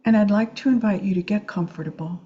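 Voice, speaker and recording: A woman meditation teacher guiding a Yoga Nidra practice in a gentle, soothing, unhurried way with long pauses. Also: mid-range voice, dull audio.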